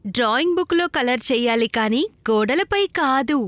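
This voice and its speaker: Cartoon mother, played by a woman: high-pitched, caring, calm, gently guiding the kids. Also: normal speed, music in the background, close to an everyday voice. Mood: instructing. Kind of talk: children's cartoon dubbing.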